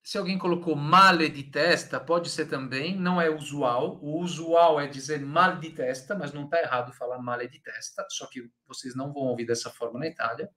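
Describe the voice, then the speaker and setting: A man's voice: a little high, brisk, few pauses, sharp tone. A man with a Brazilian Portuguese accent teaching Italian in a live online lesson, patiently correcting students by name and checking in with "tá?".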